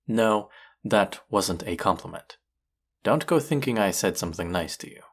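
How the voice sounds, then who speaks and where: Man acting a cocky, deep-voiced rival chef. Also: animated, moderate pace, husky. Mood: teasing, irritated. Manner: teasing, sardonic, condescending. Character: cocky, bickering male chef, grudgingly fond rival. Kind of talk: intimate audio roleplay acting addressed to listener.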